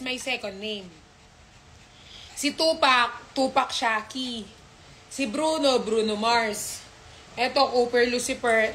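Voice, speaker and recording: A woman with a somewhat high voice talks casually on a live stream, slipping into baby-talk and playful scolding with her dogs. She is recorded on a phone. There is a faint hiss under her voice. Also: sharp tone, poor audio.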